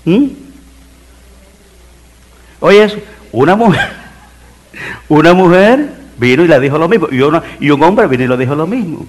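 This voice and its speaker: Impassioned middle-aged male pastor, highish voice. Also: big pitch swings, fairly quick. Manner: preaching with rising emphasis and sudden soft asides. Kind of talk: sermon. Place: church sanctuary.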